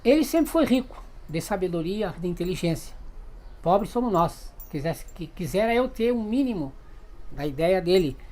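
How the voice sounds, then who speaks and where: A woman's voice: on the low side, big pitch swings, moderate pace, dark tone. A woman, speaking emphatically in a documentary interview. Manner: fervent, emphatic.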